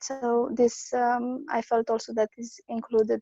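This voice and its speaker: A woman speaks with a non-native accent. The sound is dry and close, with no echo. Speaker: online meeting facilitator. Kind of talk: group meeting talk and reading aloud. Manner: hesitant, many fillers.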